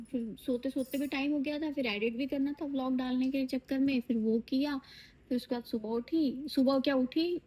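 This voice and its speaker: A tired woman chats away in a high, bright voice as she vlogs from a TV set. She talks straight to her viewers, casual and animated, while sounding sleepy. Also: rough recording. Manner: chatty, animated, addresses viewers as lovelies. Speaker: vlogger and TV actress. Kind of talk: casual chatty vlog. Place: on a TV shoot location, in and out of doors.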